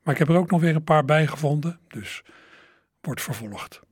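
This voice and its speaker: A husky male radio host introduces songs from a studio microphone, his speech musing and broken by hesitant fillers. The sound is close and dry, with no room around it. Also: on the high side, lively intonation, moderate pace, dry recording. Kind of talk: music radio presenting.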